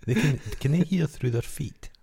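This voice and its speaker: A man's voice: fairly high pitch, animated, moderate pace, gravelly, mellow, husky. A middle-aged Scottish man co-hosting a casual podcast, rambling and joking through tangents. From Scotland. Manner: rambling, jokey, trails off into tangents. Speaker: podcast co-host. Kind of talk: casual comedic chat.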